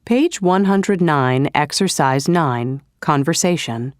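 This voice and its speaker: A woman's voice: deep voice, expressive, dry recording, studio quality. A woman narrating a textbook audio and reading out page and exercise titles. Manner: measured, announcing.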